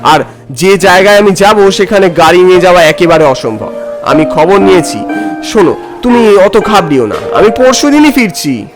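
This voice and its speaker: A man voicing a confident, dismissive veteran film director with a brisk, commanding manner in an animated horror story. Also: sits high, over music. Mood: amused, dismissive.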